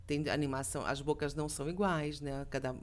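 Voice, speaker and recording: A middle-aged Brazilian woman with a low, brisk voice, a voice actress appearing as a guest on a podcast interview. She tells lively stories and acts out the quoted dialogue in them.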